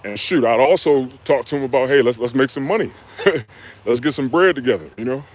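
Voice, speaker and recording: Reading comments from the chat, an American fitness coach in his youth fields viewer questions on a live stream. He speaks at a brisk clip with medium pitch, laid-back and full of slang, addressing people directly as "y'all" and "man."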